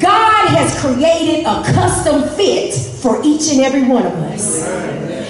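A woman with a high-pitched voice talks over light background noise, with audible echo in the room. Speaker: preacher. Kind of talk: sermon. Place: church. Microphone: pa.

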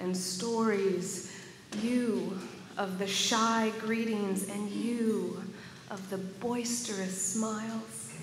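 Very slow, monotone, flat speech from a woman over noticeable background noise. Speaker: minister leading a service. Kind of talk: sermon. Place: church. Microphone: podium.

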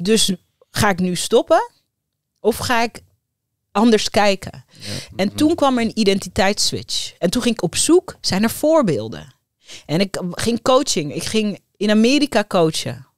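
With a quiet background and a dry sound with no echo, a woman with a fairly high pitch and vocal fry speaks at a fairly slow pace, her pitch swinging very widely. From Netherlands. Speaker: entrepreneur and former TV presenter; TV presenter. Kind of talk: podcast interview. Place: studio. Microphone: studio mic.

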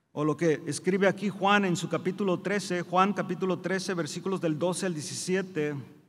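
A man speaks at a high pitch and a fairly slow pace. His intonation is monotone and flat. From United States. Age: 50s. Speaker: pastor. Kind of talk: sermon. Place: church. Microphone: podium.

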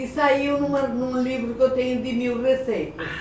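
Audible room echo surrounds a woman's high-pitched voice. Her pitch varies in an ordinary way over light background noise. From Brazil. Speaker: TV cooking presenter. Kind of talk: interview answer. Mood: warm, nostalgic. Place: home room.

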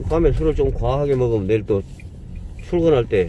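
The speech moves at a moderate pace over light background noise, and the sound is dry with no echo. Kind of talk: casual vlog chat. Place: car. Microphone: phone near.

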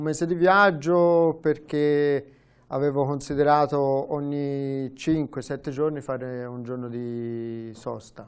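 In a Tuscan accent, the speaker goes at a very slow pace with fairly even intonation. The loudness swings widely. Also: man, fairly high pitch for a man. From Tuscany, Arezzo province; Tuscany. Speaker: cycling tour guide. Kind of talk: interview. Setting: studio. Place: studio. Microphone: lapel.

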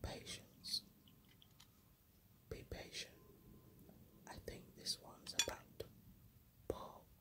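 A woman whispers at a very slow pace, pausing often and at length. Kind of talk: ASMR nail removal demonstration. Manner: softly spoken, whispered.

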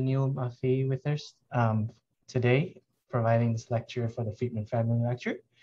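A somewhat breathy man's voice over light background noise. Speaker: event host introducing lecturer. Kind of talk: formal introduction. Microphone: video call.

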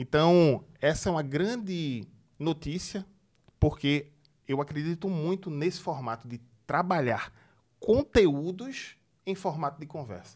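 A man with a Pernambuco accent talks at a fairly slow pace and fairly high pitch, leaving long, frequent pauses. His intonation is lively, and the background is quiet. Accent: Pernambuco, Recife. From Recife, Pernambuco, Brazil. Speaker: podcast co-host, traffic educator. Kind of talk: casual podcast chat. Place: studio. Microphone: studio mic.

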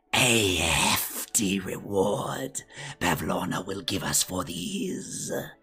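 A man's put-on character voice, raspy and hissing, fairly low in pitch, menacing in tone, at a very slow pace. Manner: menacing, hissing.

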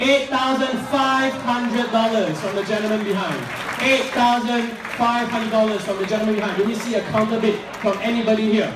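With noticeable background noise and audible room echo, a man talks at an extremely high pitch with fairly even intonation. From Singapore. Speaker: event emcee and auctioneer. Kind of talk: rapid-fire charity auction calling, repeating bid amounts to drive bidding. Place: hall. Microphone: pa.

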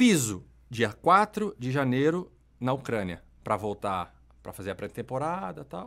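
A man talks at a fairly slow pace, his pitch swinging very widely and his loudness rising and falling sharply. The background is quiet. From Brazil. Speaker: professional footballer; podcast guest. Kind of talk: casual interview chat. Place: studio. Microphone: studio mic.

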